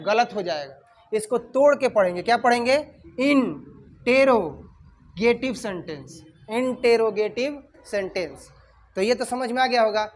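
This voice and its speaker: A male teacher teaching English grammar in a classroom, calling on students and dictating sentences word by word. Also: very high-pitched. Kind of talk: classroom lesson. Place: classroom with a whiteboard.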